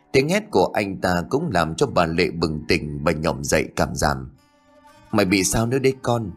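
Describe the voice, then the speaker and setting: Male storyteller, low and lively, narrating a horror tale over faint music. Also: husky. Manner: reads all characters' lines in a lightly shifted voice. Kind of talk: scripted ghost story narration.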